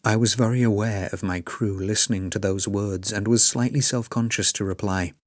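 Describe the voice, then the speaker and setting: A man narrates literary fiction in a fairly low voice, captured dry and close. His delivery is measured and dramatic, like a seasoned audiobook storyteller. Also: steady tone, no room sound. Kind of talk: scripted literary narration, voice reel.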